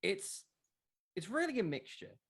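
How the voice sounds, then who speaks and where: A man's voice: high voice, very animated, a little slow, vocal fry, husky. A young man talking casually as an interview guest, explaining things earnestly in a rambling way. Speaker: interview guest, wrestling content creator.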